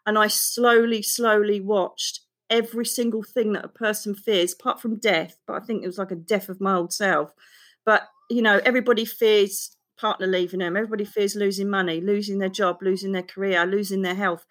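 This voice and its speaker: Emotional woman telling her story. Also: mid-range voice. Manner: emotional, expressive, fast-running storytelling. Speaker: guest author. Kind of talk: candid personal storytelling in an interview.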